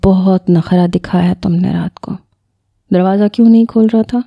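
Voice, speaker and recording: A woman's voice: fairly low pitch, fairly even intonation, gravelly, dry recording, highs cut off. A woman voicing a bold, possessive young Pashtun husband who talks bluntly in broken, informal grammar. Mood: pressing.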